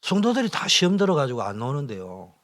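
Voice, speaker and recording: A middle-aged male pastor, preaching a training lecture, swinging from loud exhortation to whispers. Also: fairly high pitch, huge pitch swings, quick pace. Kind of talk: sermon-style training lecture.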